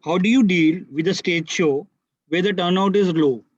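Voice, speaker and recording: A man's voice: sits high, normal speed, no room sound. A man asking short interview questions, sometimes stumbling over his words. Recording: dull, dry lo-fi audio.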